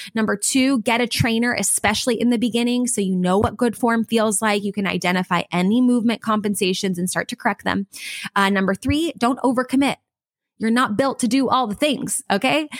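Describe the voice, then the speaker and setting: A plain, everyday voice speaks at a fairly quick pace with ordinary pitch variation. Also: woman, fairly high pitch for a woman. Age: 30s. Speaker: fitness coach and podcast host. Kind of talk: solo podcast monologue. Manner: casual, filler-heavy.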